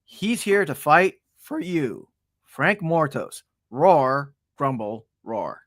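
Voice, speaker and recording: A man playing an earnest injury-lawyer pitchman in a parody TV commercial, asking rhetorical questions. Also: very animated, takes it slowly, fairly bright tone, dry recording, clean studio sound, heavily acted. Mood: salesy, mock-earnest.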